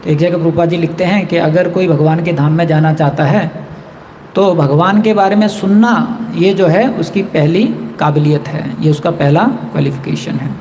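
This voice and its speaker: A man with a high, light voice gives a scripture class in a temple, explaining verses steadily and chanting lines now and then. His voice rings with the long reverb of a large hall, over a faint room hum. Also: normal speed, a little mellow. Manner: explains verses, chants Sanskrit, reads English quotes. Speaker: temple speaker.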